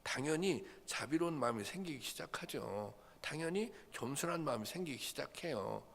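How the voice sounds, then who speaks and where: At a dawn prayer service, a pastor preaches a sermon in a church sanctuary, earnest and repetitive, climbing toward emphatic peaks. His voice is fairly high, animated, gravelly and a bit bright, delivered at a moderate pace. The recording carries a long hall reverb.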